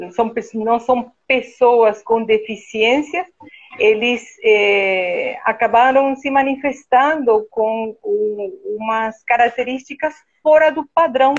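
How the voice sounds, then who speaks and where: A woman with an Argentine Spanish accent, a guest architect speaking slowly and hesitantly with many fillers in a casual conversation. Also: a little high, muffled recording. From Argentina (Buenos Aires), born in Brazil. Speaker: guest, architect and interior designer.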